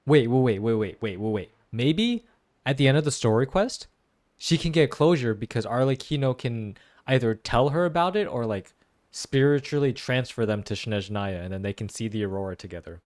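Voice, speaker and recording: A man's voice: mid-range voice, normal speed. A man giving exclamatory reaction commentary on a game story, musing aloud as a gaming content creator. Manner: animated, exclamatory, muses aloud.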